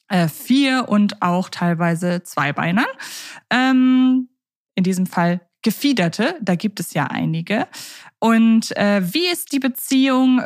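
A woman's voice: mid-range voice, no echo, clean studio sound. A woman co-hosting a podcast in a conversational style, phrasing things in a wordy, careful way. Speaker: podcast host.

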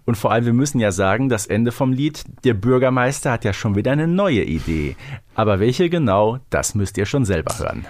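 A man talks as co-host of a review podcast. His voice is medium in pitch and his delivery is casual and conversational. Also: big pitch swings, fairly quick.

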